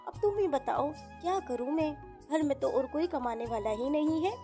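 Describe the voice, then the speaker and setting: A woman's voice: high-pitched, expressive, moderate pace, over music. A woman voicing a poor, worried and protective mother in a children's story, plaintive and emphatic. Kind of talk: children's moral story character acting.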